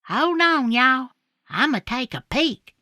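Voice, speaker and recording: Folksy female country pony, played by a woman, Southern US accent, unhurried, high and bright, cartoon story. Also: sing-song, no room sound, studio quality, heavily acted. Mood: cautious. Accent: American Southern.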